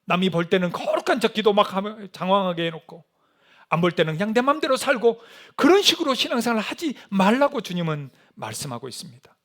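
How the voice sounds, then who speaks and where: A pastor delivering a Sunday sermon, his voice pitched high for a man and swinging widely as he drives each point home. He keeps throwing questions to the congregation and waiting for answers in call-and-response. He slips into God's voice as direct speech to press the lesson. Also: big pitch swings, fast, fairly bright tone. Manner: switches to acting out God's words as direct speech.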